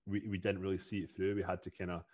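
Talking rapid-fire in a flat, darkish, fairly low voice, a Scotsman in his thirties chats casually as a guest on a podcast interview. He tends to repeat words when starting his sentences.

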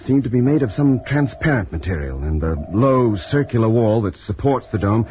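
An actor playing an earnest, apprehensive doctor on a moon expedition in a radio science fiction serial. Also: male voice, mid-range voice, very animated, moderate pace, slight background noise, natural voice. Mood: defensive, puzzled. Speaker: actor, narrator. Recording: dull vintage radio recording, music behind.

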